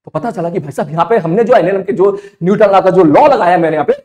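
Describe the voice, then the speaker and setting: High-voiced male physics teacher. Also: lively intonation, fast talker, a little mellow. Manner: conversational, asks and repeats questions. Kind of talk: lively exam-prep lecture.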